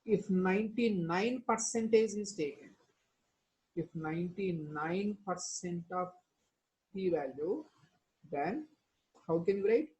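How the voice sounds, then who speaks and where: On a low-quality recording, a chemistry teacher with a South Asian accent speaks in a lowish, darkish voice, slowly and with frequent pauses. She works through formulas step by step in her lesson, addressing students with prompting questions and tag words.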